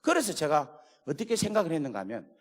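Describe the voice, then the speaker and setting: A man's voice: fairly high pitch, very animated, fast. Man preaching with a Gyeongsang accent. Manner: storytelling, swings from hushed asides to shouting. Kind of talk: sermon. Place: church sanctuary. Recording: long hall reverb.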